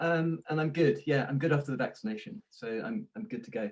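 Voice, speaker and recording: Speaking at a fairly quick pace, a man uses a fairly high voice with vocal fry and very wide pitch swings. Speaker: poet. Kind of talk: casual talk introducing poems. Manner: hesitant, informal.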